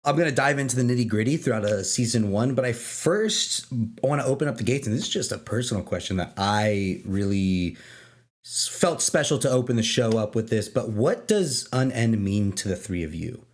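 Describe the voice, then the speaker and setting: An enthusiastic man leads the conversation as host, asking his guests questions with open delight. His voice sits at an ordinary middle pitch and comes across easy and conversational. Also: animated, moderate pace. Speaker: podcast host. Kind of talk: casual roundtable chat.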